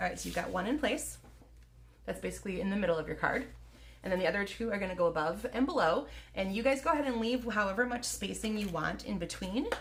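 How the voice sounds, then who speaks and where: A woman talks at a very fast pace with lively intonation. Room echo is audible. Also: medium pitch for a woman. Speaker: card-making crafter. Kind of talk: live crafting tutorial. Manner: casual, encouraging.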